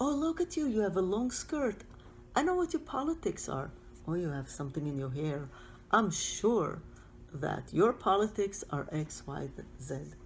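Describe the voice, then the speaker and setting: With an Israeli accent, a woman speaks at a moderate pace and medium pitch, her voice showing vocal fry and very wide pitch swings. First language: Hebrew. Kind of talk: lecture.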